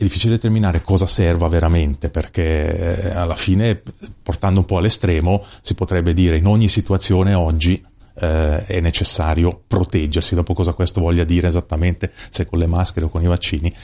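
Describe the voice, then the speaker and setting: A fairly quick voice, somewhat breathy with a dark, mellow tone, keeps very even loudness and fairly even intonation. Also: man, very deep, low pitch for a man. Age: 50s. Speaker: chamber of commerce director. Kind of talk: podcast interview. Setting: studio.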